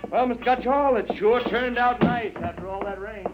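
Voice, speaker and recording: A man's voice: very high-pitched, fairly even intonation, moderate pace, highs cut off, over music. An actor playing a mild, easily flustered middle-aged father in a 1950s radio drama, polite and a little hesitant. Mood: affable. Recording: vintage 1950s radio broadcast.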